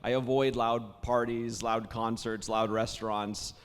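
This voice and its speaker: A man, raspy and worn after days of talking, answers questions at a convention panel. His voice sits mid-range and rambles warmly through false starts. A long hall reverb trails every word. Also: mid-range voice, little pitch movement, unhurried. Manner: warm storytelling, many restarts and fillers. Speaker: voice actor panel guest. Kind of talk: casual convention panel talk.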